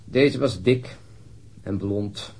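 An actor playing a blunt, grumbling police colleague in a radio drama, wry and informal. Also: male voice, on the low side, very slow, a little mellow, husky, full character voice. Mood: reporting, disgruntled. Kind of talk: radio drama acting, naturalistic.

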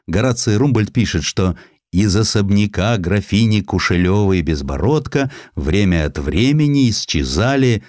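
Deep-voiced man narrating with lively intonation. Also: no room sound, studio quality. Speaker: audiobook narrator. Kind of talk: scripted literary narration of a historical essay.

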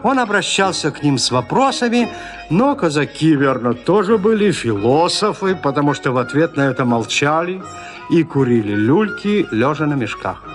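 Man reading an old classic story like theater, pitch bouncing around, music playing under. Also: sing-song, moderate pace. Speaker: narrator. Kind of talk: scripted literary narration in a radio play.

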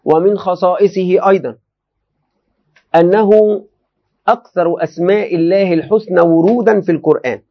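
Man teaching a religious text, highish voice, repeats himself a lot, kinda muffled lo-fi recording. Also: steady tone, fairly quick, long pauses. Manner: repeats and restates phrases for students; addresses listeners directly, often checking understanding. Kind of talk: classroom lecture explaining a text.

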